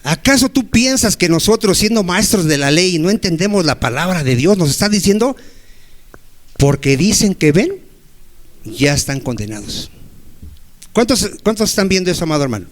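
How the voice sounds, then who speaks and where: Higher-pitched man preaching with questions. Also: lively intonation. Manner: preaching with rapid rhetorical questions to the congregation; acts out pleading prayers, dropping low and slowing down. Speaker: pastor. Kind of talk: sermon. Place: church.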